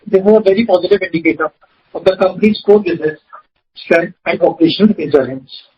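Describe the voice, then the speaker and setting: A man's voice: high-pitched, quick pace, husky. A man with an Indian accent formally presenting scripted financial figures as a company executive on an earnings call. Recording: dull, lo-fi conference call audio.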